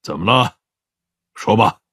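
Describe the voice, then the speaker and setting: A man playing a gruff, teasing middle-aged police chief in an audio drama. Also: fairly low pitch, expressive, a little slow, a bit bright, no echo, studio quality, heavily acted. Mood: teasing, grumpy.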